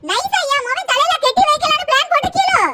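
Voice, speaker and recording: A woman's voice: extremely high pitch, fast talker. A woman voicing a scornful middle-aged mother who accuses and insults a family. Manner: sneering, accusing. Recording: loud background noise.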